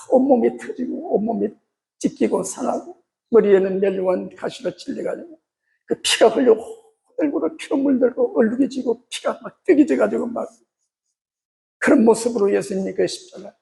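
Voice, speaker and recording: A male pastor preaching a fervent sermon, pressing his points with rhetorical questions. His voice sits high for a man and carries a gravelly, fried edge. He speaks with earnest emphasis throughout. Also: dark tone.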